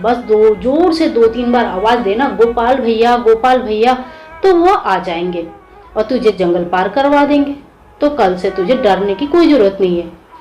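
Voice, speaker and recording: A woman voicing a loving village mother who talks in a gentle, coaxing way. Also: a little high, low-quality recording.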